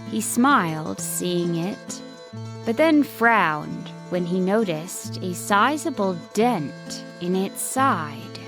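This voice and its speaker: A woman storyteller reads a scripted bedtime story for children. Her voice is mid-pitched and unhurried, with faint music behind it. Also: expressive.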